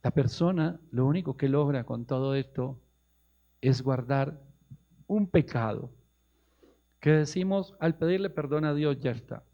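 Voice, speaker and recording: Colombian male pastor, gravel in the voice, mid pitch, preaching with emphatic climbs, muffled radio sound. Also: unhurried, long pauses. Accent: Colombian Spanish. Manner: rising to high emphatic questions, addresses listeners as brother. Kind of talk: sermon.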